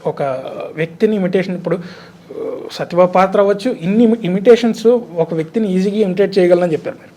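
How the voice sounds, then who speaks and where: A man's voice: high-pitched, fast, dark tone. A male interviewer asking probing, persistent questions in a casual interview. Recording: faint background noise.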